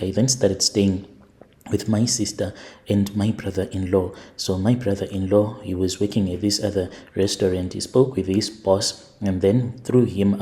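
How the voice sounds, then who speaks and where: A man narrates a personal confession as a storyteller. His delivery is deliberate and plain, like a host reading out a listener's account. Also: on the low side, darkish tone.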